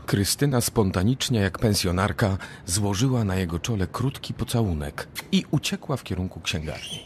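Deep-voiced male radio drama narrator. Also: expressive, moderate pace, a little hiss or hum. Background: music.

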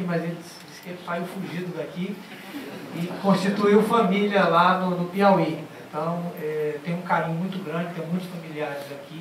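Guy on a conference panel w/ handheld mic, kinda high voice, lots of hall echo, sounds far off. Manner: halting, with restarts and filler sounds. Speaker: panel speaker. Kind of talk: formal conference speech. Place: large conference auditorium. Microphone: handheld mic, seated at a panel table. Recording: echoey hall from far off, faint noise.

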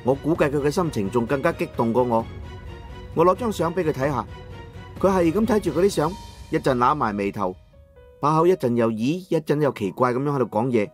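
A man narrating an audiobook in the first person in Cantonese, with colloquial, expressive dramatic storytelling. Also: medium pitch, fairly quick, faint music behind.

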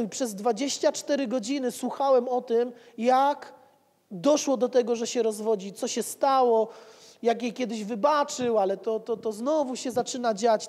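A man's voice: very high voice, darkish tone. A man, preaching a sermon as pastor with rhetorical repetition and casual asides, holding a mic. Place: church hall with pews. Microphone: handheld mic. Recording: reverberant church hall.

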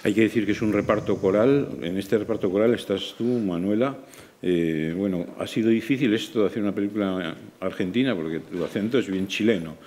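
An older man, interviewing a director with measured, leading questions in a small festival room. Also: lowish voice, darkish tone.

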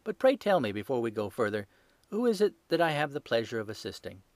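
An assured gentleman detective speaks blandly and courteously, a man voicing him. His delivery is measured and never hurried. The recording is dry, with no room around it. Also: medium pitch, very animated, no room sound. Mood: calm. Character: calm, urbane male detective, bland and assured.

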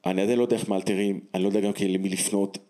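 A man telling a personal story as testimony, animated and emphatic, acting out the dialogue as he goes. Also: on the low side.

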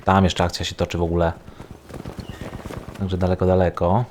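A man giving casual, rambling gameplay commentary, thinking out loud as he plays. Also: low-pitched, monotone, moderate pace, a little hiss or hum. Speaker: gaming video host.

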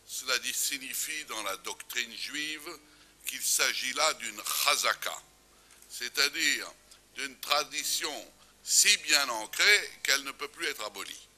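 Slow, solemn male host. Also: medium pitch, sharp tone. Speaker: host of the conference. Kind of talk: formal welcome speech. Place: conference hall at a lectern.

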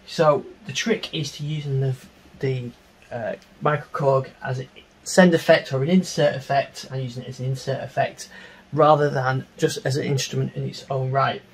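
A middle-aged man giving an informal, unscripted tutorial on music software, explaining step by step into a handheld microphone in a small home studio. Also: medium pitch, fairly even intonation, normal speed, husky, poor audio. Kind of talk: informal screen-share tutorial.

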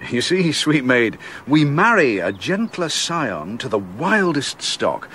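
A man's voice: fairly low pitch, fairly bright tone, slight background noise. A reasoning older nobleman. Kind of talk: radio play acting.

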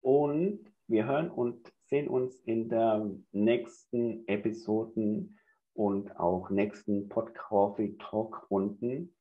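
A man in his thirties hosting a podcast over a video call on a headset, halting and hesitant with lots of fillers. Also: on the low side, phone-quality sound. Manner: halting, many fillers and restarts. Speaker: podcast host. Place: indoors, in front of a banner backdrop.

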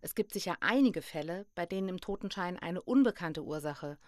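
A woman's voice: on the low side, expressive, a little fast, no room sound, lightly acted. Actress as a serious female investigator, dry sound. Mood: serious, pondering. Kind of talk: German audio drama acting, conversational.

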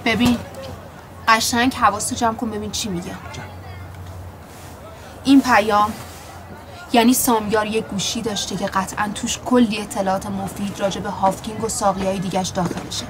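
A woman's voice: mid-range voice, steady tone, long pauses, over music, lightly acted. An actress playing a sarcastic, impatient young female university student.

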